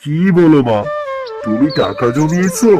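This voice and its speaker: Man voicing a high-pitched earnest village farmer. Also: expressive, moderate pace, over music, lightly acted. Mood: worried. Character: poor earnest village dairy farmer, husband and father. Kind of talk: Bengali cartoon story dialogue.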